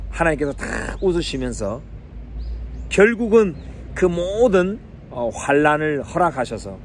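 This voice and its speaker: A man teaching on a psalm and telling a family story in an animated sermon style, chuckling now and then. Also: medium pitch, slight background noise. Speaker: Bible teacher.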